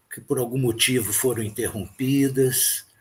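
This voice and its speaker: Fairly slow in pace, the speech has a somewhat breathy quality. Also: man. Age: 70s. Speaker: historian and writer. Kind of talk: interview.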